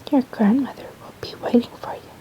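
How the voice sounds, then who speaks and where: A woman's voice: fairly quick, dull audio, lightly acted. A woman whispering as a kind woodcutter. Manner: gentle, whispered advice. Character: kind adult male woodcutter. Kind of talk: ASMR storybook reading.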